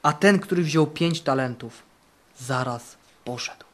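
A male camp preacher in full sermon mode, his fairly high voice rising for bold declarations and dropping for quiet, earnest passages. He drives points home by repeating key phrases. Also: measured pace. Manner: fervent, repeats phrases for emphasis, swings between loud and hushed. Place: camp meeting.

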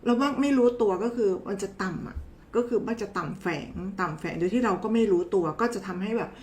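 Woman doctor, casual health-explainer host, mid-pitched, familiar and teasing with viewers, echoey room. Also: fast talker, darkish tone, a little hiss or hum. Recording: roomy echo.

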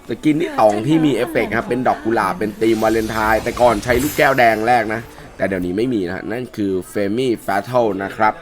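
A man hosts a casual review of game skins with a hoarse, worn-out voice. He keeps his tone fairly low and talks in a loose, chatty way, deliberately pushing his voice down to get the words out. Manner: chatty, pushing his voice lower than usual. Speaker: mobile game channel host.

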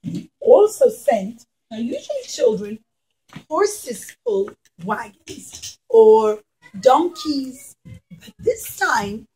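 A middle-aged woman telling a story to young children in a classroom, explaining simply and deliberately. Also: sits high, very animated, creaky, darkish tone, poor audio. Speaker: children's teacher telling a Bible story with puppets. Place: small classroom, indoors.

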